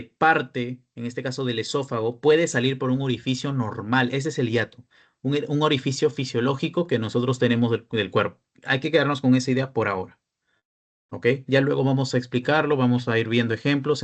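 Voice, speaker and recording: A man's voice: medium pitch, normal speed. A young man with a Peruvian Spanish accent, a peer tutor giving an online class lecture, explaining step by step and often checking in with the students.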